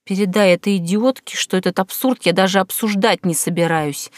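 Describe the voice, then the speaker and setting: A woman reading the lines of a furious young woman in a hospital bed, who speaks quietly and with contempt, in an audiobook. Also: mid-range voice, fairly quick, dry recording, clean studio sound, natural voice.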